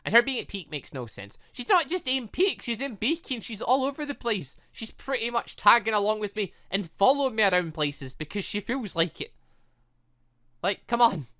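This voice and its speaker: A gaming host doing a visual novel let's play, reading lines aloud and rambling through off-the-cuff reactions in an animated way. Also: mid-range voice, moderate pace.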